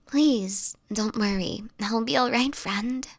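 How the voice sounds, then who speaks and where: A woman acts out a sickly, world-weary vampire woman for an intimate audio drama. She speaks at a very unhurried pace, hushed and breathy, with slightly formal old-fashioned wording. Her tone is gentle and protective, and the sound is dry and close. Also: fairly high pitch, dry recording. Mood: weary, reassuring. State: sickly, frail, with coughs.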